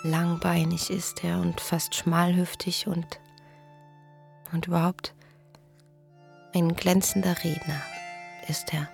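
Young woman in love, dreamy hushed diary monologue for radio drama, gravelly fry in the voice, faint music under it. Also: fairly low pitch, flat delivery, slow, long pauses. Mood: tender, dreamy. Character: young East Berlin woman in love, dreamy travel diarist.

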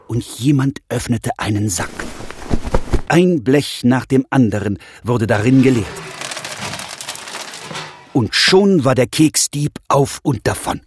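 A man's voice: medium pitch, animated, a little slow, long pauses, a little hiss or hum. A man narrating a Christmas fairy tale for children in a storytelling manner. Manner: warm storytelling.

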